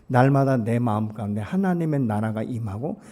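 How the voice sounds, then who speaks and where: A man's voice: mid-range voice, expressive, normal speed, dark tone. A man preaching a Sunday sermon as senior pastor, asking the congregation questions and voicing God's encouraging words. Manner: voices God's encouraging words in quoted asides. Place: church sanctuary.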